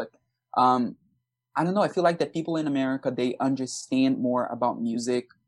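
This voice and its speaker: A man with a Brazilian accent speaks at a fairly quick pace and fairly high pitch, and the sound is dry and close with no echo. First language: Portuguese. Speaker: actor and opera singer. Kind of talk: casual interview.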